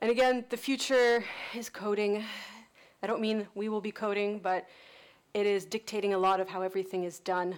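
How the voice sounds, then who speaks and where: A woman with an American accent speaks at a fairly quick pace and medium pitch, her intonation fairly even. Long, frequent pauses break up her speech. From United States. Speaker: education director. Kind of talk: presentation.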